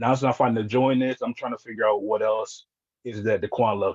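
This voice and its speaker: Here a man talks with fairly even intonation. His voice is somewhat breathy. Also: dry, close sound with no echo. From Michigan. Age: 30s. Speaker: mental health advocate and motivational speaker. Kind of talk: panel discussion.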